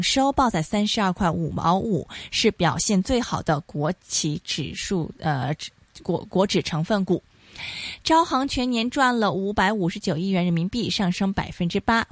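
A woman hosting a radio finance show, reading scripted market news briskly with small slips and self-corrections. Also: medium pitch, dry recording. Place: radio studio.

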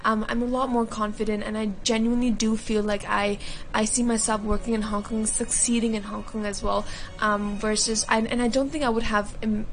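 A woman in her twenties, a university student, talking earnestly about her career path with frequent ums. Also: mid-range voice. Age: 20s. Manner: earnest, many fillers, softening toward the end. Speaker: university student, charity beneficiary. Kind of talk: recorded interview testimony.

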